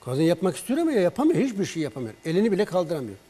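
Racing along with a slightly rough tone, a man whose voice is a bit high yet dark and mellow tells health stories on a broadcast. An herbal remedy expert, he animatedly acts out the calls between himself and a patient.

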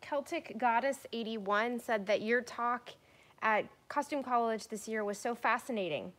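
An off-camera woman with a bright, slightly high voice reads out viewer questions. She keeps it easy and conversational. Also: unhurried. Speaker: co-host reading viewer questions. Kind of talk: casual live Q&A.

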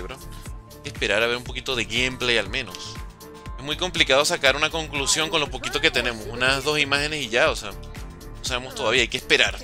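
A young man streaming a game, chatting casually with viewers and calling out their names in an excitable, slangy way. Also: mid-range voice. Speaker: gaming livestreamer. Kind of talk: casual livestream chat while playing, reading chat aloud.

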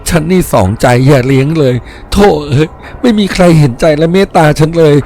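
A man's voice: mid-range voice, dark tone, a little hiss or hum, close to an everyday voice. Man voicing a sorrowful young ghost woman, plaintive. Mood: grieving, plaintive. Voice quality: faint, trembling voice. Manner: slow, plaintive, lamenting.

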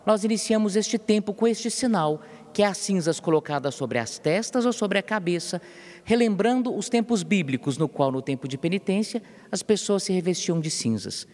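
A man in his thirties with a Brazilian Portuguese accent, a parish priest explaining with preacherly emphasis, speaking into a handheld mic inside a church. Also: a little high. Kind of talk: explanatory interview answer. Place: church interior. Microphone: handheld reporter mic. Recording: long church reverb.

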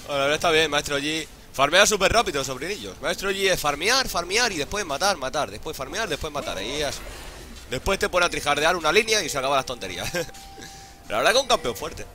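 Crude, bright-voiced Spanish gamer guy, hungover. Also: on the high side, very animated, fairly quick. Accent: Spanish (Spain). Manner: crude, jokey, profane slang. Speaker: gaming YouTuber. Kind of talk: casual gameplay commentary.

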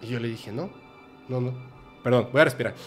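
Man, podcast host, emotional, halting, restarts, faint background music. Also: mid-range voice. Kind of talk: emotional personal storytelling.

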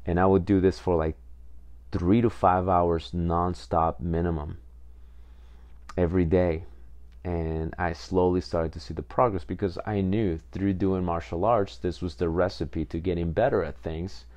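A man's voice: deep voice, steady tone, unhurried, a little mellow. A man in his twenties from Peru, hosting a podcast and telling his own story in a casual, rambling way with many fillers. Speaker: podcast host.

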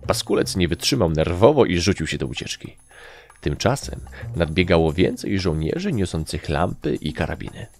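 Deep gravelly male storyteller. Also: normal speed, soft background music. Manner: lively storytelling, shifts into raised voices for characters. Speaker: audiobook narrator. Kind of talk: dramatic audiobook reading with acted voices.

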